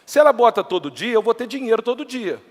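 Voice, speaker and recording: A middle-aged Brazilian man from the Minas Gerais countryside speaks on stage, his voice pitched high and ringing out through a large hall with a long reverb. He tells his story to the crowd in a chatty, anecdotal way, acting out the dialogue he quotes. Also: animated, fast talker. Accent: Brazilian Portuguese, countryside Minas Gerais. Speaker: entrepreneur giving a talk. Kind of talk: motivational storytelling talk to a live audience.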